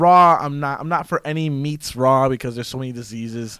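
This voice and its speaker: On a very clean recording with a silent background, a man with an American accent talks at medium pitch with ordinary pitch variation. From Massachusetts. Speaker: internet radio host. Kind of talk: casual chat. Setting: studio. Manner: animated.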